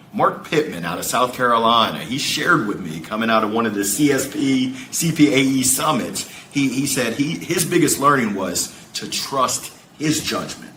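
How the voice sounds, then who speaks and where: A man's voice with lively intonation at a moderate pace, amid audible room echo and noticeable background noise. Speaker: professional speaker and sales trainer. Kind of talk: interview conversation. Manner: high-energy, animated.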